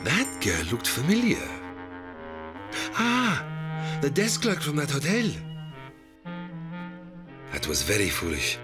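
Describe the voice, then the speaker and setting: An actor playing a wary, formal, solitary man in an audio drama, speaking in a measured, brooding way. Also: fairly high pitch, huge pitch swings, full character voice. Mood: brooding, self-reproachful. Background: music.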